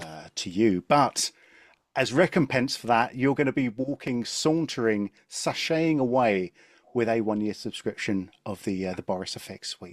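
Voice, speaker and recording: In a very clean recording with a silent background and a dry, close sound with no echo, a man with an English accent speaks at a medium pitch and a moderate pace with lively intonation. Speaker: livestream host. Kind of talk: live stream chat. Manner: animated; halting.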